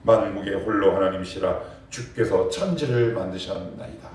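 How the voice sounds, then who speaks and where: A man's voice: deep voice, normal speed, darkish tone, distant mic, a little hiss or hum. Man preaching in a very echoey church. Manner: emphatic preaching with questions to the congregation. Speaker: pastor. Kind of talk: sermon. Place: church sanctuary, morning prayer service.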